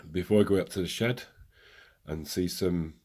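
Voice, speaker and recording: A man's voice: deep voice, normal speed, darkish tone. A man casually talking through progress on his model railway, chatty and joking at his own expense, recorded in a hobby room on a camera mic. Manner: chatty, self-joking, rambling asides.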